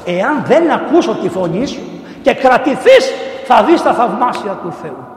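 Lively-voiced priest preaching in an echoing church. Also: male voice, very high-pitched. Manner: animated storytelling, acts out voices of the people in the story. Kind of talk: sermon retelling saints' stories. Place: large church. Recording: echoey church with long reverb.

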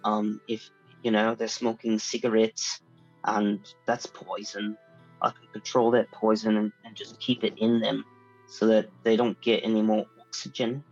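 A man's voice: fairly low pitch, level tone, a little slow, highs cut off, faint music behind. A man playing a tabletop game, talking hesitantly with lots of stammers and self-deprecating remarks. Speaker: player.

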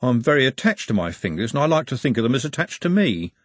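A man's voice: mid-range voice, very animated, fast talker. A man voicing a reluctant, wry wizard professor in an audiobook, hesitant and dryly literal. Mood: wry reluctance. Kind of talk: audiobook character voice.

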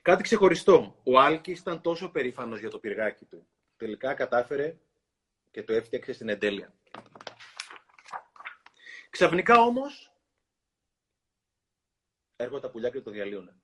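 A man hosting a talk, reading a children's book aloud in an expressive storytelling way and pausing to comment. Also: medium pitch, slight background noise. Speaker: host.

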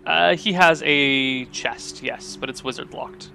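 An American man hosts a tabletop game on a stream, chatting casually and filling pauses with ums. His voice is bright and forward at an everyday middle pitch. Soft music plays faintly underneath. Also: vocal fry. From United States. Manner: relaxed, chatty, thinks aloud with ums. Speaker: game master. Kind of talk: livestreamed tabletop game chat.

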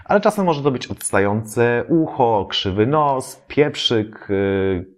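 A man talks through memory techniques like a trainer giving a lesson. His pitch moves a lot, rising sharply on key points. He often pauses with short filler sounds between phrases. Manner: explanatory, many filler "e" sounds, lively emphasis. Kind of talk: educational talk to camera.

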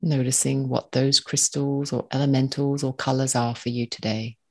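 Calm, even-toned meditation guide. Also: medium pitch. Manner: calm, soothing, unhurried phrasing with short spaced phrases. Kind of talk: guided meditation, slow spoken instruction.

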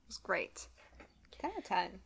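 A woman's voice: mid-range voice, very animated, normal speed, gravelly, fairly bright tone, slightly rough. A young woman co-hosting a casual chat, talking freely with swearing and mimicking voices. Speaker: podcast co-host.

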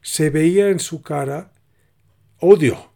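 A middle-aged man, calmly explaining parenting ideas in a casual conversation. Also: on the high side, takes it slowly, vocal fry. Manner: calm, explanatory, acts out little example dialogues. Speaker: podcast co-host giving parenting advice.

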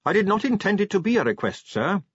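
A man's voice: fairly high pitch, big pitch swings, moderate pace, fairly bright tone, slightly rough, no echo, highs cut off, voice pushed up, exaggerated voice. A man voicing a young male watch captain who stays polite and cheerful but firm.

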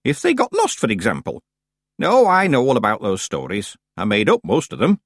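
A man voicing a proud, sly old woman witch in an audiobook, with crisp, dramatic, genteel delivery. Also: medium pitch, huge pitch swings, moderate pace, dry recording. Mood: stout, chatty. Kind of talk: audiobook character voice.

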